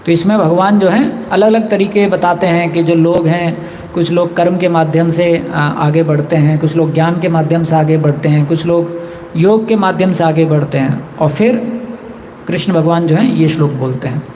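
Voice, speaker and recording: A man with a high, light voice gives a scripture class in a temple, explaining verses steadily and chanting lines now and then. His voice rings with the long reverb of a large hall, over a faint room hum. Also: fairly even intonation, moderate pace, warm tone. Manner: explains verses, chants Sanskrit, reads English quotes. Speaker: temple speaker.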